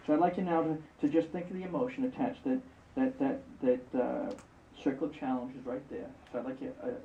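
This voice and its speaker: A hypnotist guiding a volunteer through a live exercise, repeating encouraging instructions. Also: male voice, mid-range voice, fairly even intonation, a little fast, slight background noise. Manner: coaching, repetitive, encouraging. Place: event room. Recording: roomy, distant, muffled live event recording.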